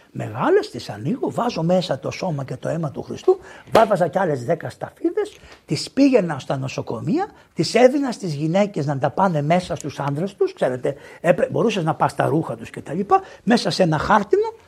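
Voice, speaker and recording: An older man gives a sermon in a church, animated and prone to sudden exclamations. His voice is gravelly and a little husky. His pitch rises and falls widely as he quotes scripture. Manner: animated, exclaiming, quoting scripture in old Greek. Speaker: priest.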